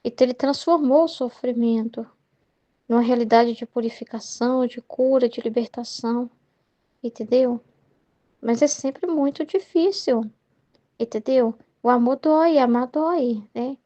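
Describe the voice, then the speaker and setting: A woman's voice: a little high, a little slow, mellow, muffled recording. A young Brazilian woman leading a Catholic study, talking in a meandering way and tagging her sentences with "né?" and "entendeu?". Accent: Brazilian Portuguese. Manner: meandering, heavy use of "né?" and "entendeu?" tags. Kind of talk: spoken reflection on a devotional book.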